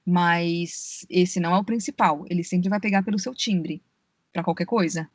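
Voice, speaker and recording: This voice actress and audiobook narrator talks about her job in long explanations on a podcast conducted by remote call, often saying "né" and filling pauses with "assim." She speaks at a moderate pace in a fairly low voice, and the recording is dry.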